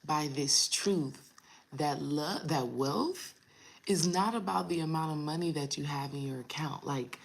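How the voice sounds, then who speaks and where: A woman in her thirties speaks in a low, gravelly voice, raspy from the morning. She chats casually with her viewers and calls them y'all, with drawn-out pauses. Her pitch sits deep for a woman. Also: low-quality recording. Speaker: spiritual coach and host. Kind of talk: casual vlog talk to viewers.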